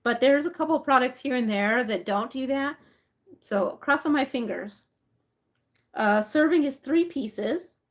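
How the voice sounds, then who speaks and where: Chatty woman with a higher-pitched voice. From Mexico and the rural US Southwest. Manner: chatty, informal, thinking aloud. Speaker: livestream host. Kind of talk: casual livestream chat, reading labels aloud and replying to viewers.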